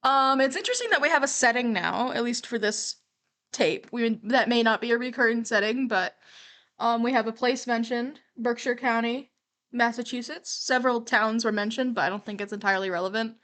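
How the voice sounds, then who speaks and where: Casting: female livestreamer, fairly high voice, candid and casual, thinks aloud while reacting. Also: a little fast, a bit bright. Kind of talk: casual reaction commentary on a horror series.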